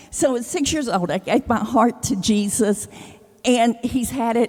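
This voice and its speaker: A woman with a Southern US accent talks fairly slowly at a fairly high pitch, with ordinary pitch variation and noticeable background noise. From Florida Panhandle. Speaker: church member. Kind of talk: testimony. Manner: shaky voice.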